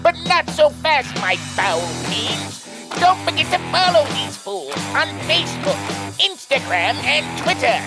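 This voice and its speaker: A woman's voice: high-pitched, very animated. A woman voicing a cackling spooky villain. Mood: menacing, gleeful. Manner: slow theatrical villainous delivery with cackles. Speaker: show outro announcer. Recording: music bed behind voice. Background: music.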